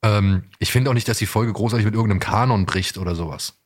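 A man's voice: fairly low pitch, quick pace. A man with a German accent chatting casually as a podcast co-host, giving his opinions.

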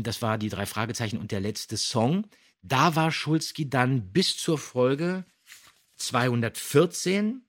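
A man co-hosting a podcast, telling anecdotes in a casual, conversational way. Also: medium pitch. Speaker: podcast host.

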